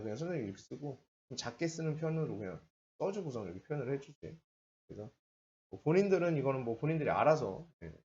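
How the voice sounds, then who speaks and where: A man's voice: mid-range voice, a little mellow. A young adult man teaching a math lesson at a board, chatting casually and mixing polite and casual speech. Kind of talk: casual blackboard lecture. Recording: dull lo-fi lecture recording.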